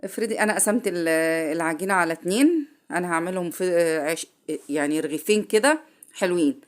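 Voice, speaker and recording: A woman's voice: on the low side, expressive, quick pace. A woman with an Egyptian accent, who has a cold, chats through a home cooking tutorial. She talks straight to her viewers and often corrects herself midway. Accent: Egyptian Arabic. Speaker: home cook.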